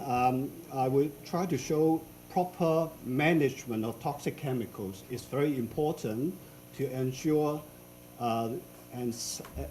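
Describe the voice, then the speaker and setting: An older man from Hong Kong giving an academic symposium talk in a lecture hall, unhurried, with frequent fillers and restarts. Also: medium pitch, mellow, slight background noise.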